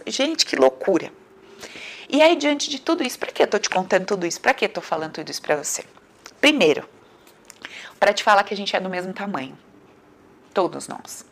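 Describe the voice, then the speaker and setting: Young Brazilian woman, personal vlog confession, voice with gravelly fry. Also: medium pitch, a bit bright. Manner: conversational, dramatic quoted voices, slow reflective stretches. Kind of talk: personal storytelling to camera.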